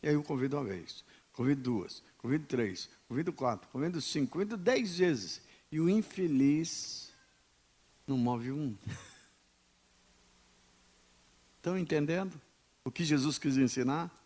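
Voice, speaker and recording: A man with a Brazilian Portuguese accent preaching a sermon as pastor, emphatic, with sharp swings between loud and quiet. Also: medium pitch, lively intonation, moderate pace, slightly rough. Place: church.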